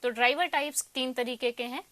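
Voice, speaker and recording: A woman's voice: high voice, brisk, a bit bright, no room sound. A woman with an Indian accent lecturing as a teacher, posing questions and answering them herself, repeating points and switching between two languages. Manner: explanatory, repeats points, mixes Hindi and English. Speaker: electronics teacher. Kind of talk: lecture with self-posed questions.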